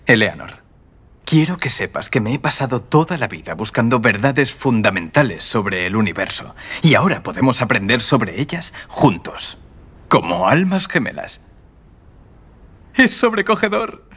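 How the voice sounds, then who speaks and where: A man's voice: medium pitch, big pitch swings, moderate pace, a bit bright, husky. A man dubbing an anxious, earnest young ethics professor in a dubbed TV comedy, talking in a hesitant, fussy way. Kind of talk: Spanish TV comedy dub.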